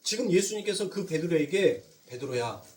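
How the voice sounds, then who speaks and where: A man's voice: high-pitched, big pitch swings, normal speed, a little mellow, distant mic. A male pastor preaching a sermon, putting questions to the congregation and answering them himself with rising emphasis. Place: church sanctuary.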